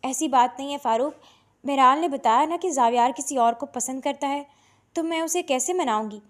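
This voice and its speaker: A timid, gentle wife, voiced by a woman reader in a storybook drama. She speaks in a soft, hushed, high voice. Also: lightly acted.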